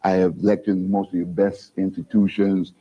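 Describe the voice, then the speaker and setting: A man's voice: sits low, level tone, moderate pace, slightly rough. A man, a guest lecturer, talking in a folksy, self-deprecating way with chuckling asides. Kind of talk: conversational TV interview. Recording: dull lo-fi TV audio.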